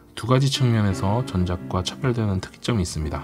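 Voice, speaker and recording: Fairly low male voice, fairly quick and lively in intonation, with music in the background. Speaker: camera reviewer and filmmaker. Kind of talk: product review narration.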